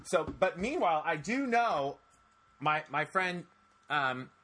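A man in his forties with a bright, clear tone and a slightly higher voice, talking on a casual podcast. He rambles through stories in an animated, chatty way and restarts his sentences often. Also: takes it slowly. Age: 40s. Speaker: podcast host.

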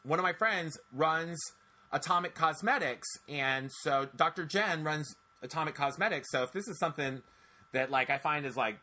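A man in his forties hosting a podcast, telling stories in a chatty, animated way with lots of restarts. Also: on the high side, normal speed. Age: 40s. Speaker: podcast host. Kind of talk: casual podcast chat.

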